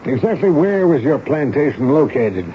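A man's voice: a little high, very animated, normal speed. A man acting a stern, authoritative army major who questions in a commanding, clipped way in a 1970s radio drama. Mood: probing. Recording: dull, noisy vintage radio broadcast.

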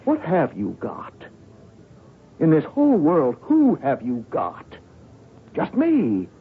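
An actor playing a manipulative, wheedling gambler in an old radio drama, coaxing and stammering. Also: male voice, on the high side, wildly swooping pitch, takes it slowly, slightly rough, full character voice. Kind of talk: 1940s radio acting. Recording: tinny old radio broadcast.

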